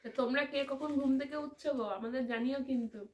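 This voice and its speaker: A woman's voice: high voice, steady tone, fast, darkish tone, breathy edge. A woman chatting casually to her viewers in a home vlog, talking to them like friends. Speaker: vlogger. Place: rooftop and home.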